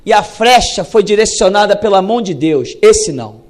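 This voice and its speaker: A Brazilian pastor with a Brazilian Portuguese accent, preaching a fiery sermon in an emphatic, repetitive storytelling way. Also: male voice, sits high, normal speed.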